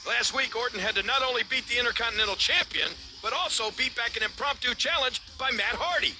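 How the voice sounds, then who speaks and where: A man's voice: very high-pitched, quick pace, sharp tone, a little hiss or hum, exaggerated voice. A man voicing a wrestling commentator in a video game, giving scripted, upbeat broadcast-style commentary. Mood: excited.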